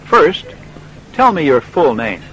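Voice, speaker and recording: A friendly radio reporter in a scripted learner dialogue. He speaks clearly and patiently with a lively, bouncing intonation, and there is a faint hiss behind him. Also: a little high, slow, dull audio, exaggerated voice. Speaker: interviewer.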